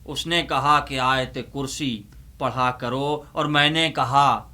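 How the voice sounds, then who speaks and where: Theatrical man with a bright, forceful voice. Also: mid-range voice, fairly even intonation. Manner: theatrical, emphatic, repeats lines for effect. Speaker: host and poetry reciter. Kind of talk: dramatic recitation of humorous Urdu poetry.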